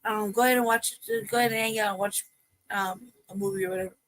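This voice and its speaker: A livestream host chatting loosely to viewers, hesitant and full of fillers. The sound is dry and close, with no room around it. Pitch sits in the middle of the range. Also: steady tone, fast, fairly bright tone, dry recording. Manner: rambling, hesitant, many ums. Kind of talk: casual livestream commentary.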